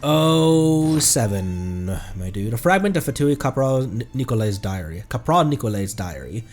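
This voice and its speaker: A man's voice: mid-range voice, big pitch swings, moderate pace, a little mellow. A man commentating live on a game he plays and reading its text aloud, in a playful, exclaiming manner. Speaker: game streamer. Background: music.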